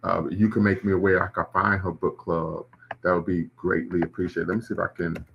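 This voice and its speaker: A man's voice: sits low, little pitch movement, fairly quick, creaky, dull audio, slight background noise. A man hosting a live stream, reacting to clips and chat comments in a conversational way. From Ohio, US. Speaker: host.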